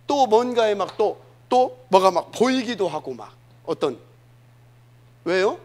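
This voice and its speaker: A man preaching a sermon, often asking the congregation questions and swinging between loud emphasis and soft asides. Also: high-pitched, expressive, a little slow. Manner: asks the congregation questions, many fillers, dynamic swings. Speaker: pastor.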